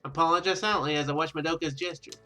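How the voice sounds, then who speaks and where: A man's voice: a little high, steady tone, very fast, pushed and bright, soft background music. A man hosting a gaming video, reading a visual novel aloud with casual commentary and stumbling over lines as he goes. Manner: stumbles over read lines and corrects himself.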